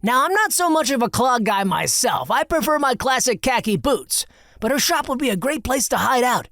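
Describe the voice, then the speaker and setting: Man doing a high, eager young khaki boss. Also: very animated, moderate pace, sharp tone, no room sound, clean studio sound, exaggerated voice. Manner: high-pitched, eager and theatrical. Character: excitable proud young male khaki-factory owner.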